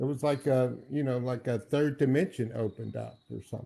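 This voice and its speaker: A man talks with an Ohio accent. His pace is moderate. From Ohio, US. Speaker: guest on live chat. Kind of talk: casual chat.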